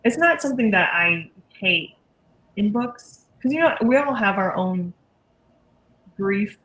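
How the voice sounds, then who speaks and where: A woman's voice: mid-range voice, animated, unhurried, fairly bright tone, low-quality recording. A woman on a book club panel chatting informally, with hesitant phrasing full of filler words. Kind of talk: casual chat.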